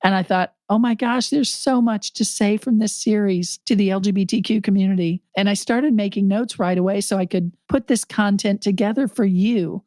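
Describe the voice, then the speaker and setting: Slightly raspy woman co-hosting a podcast. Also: mid-range voice, steady tone, normal speed, hardly any pauses, dark tone, no echo. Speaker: podcast co-host. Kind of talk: casual podcast chat.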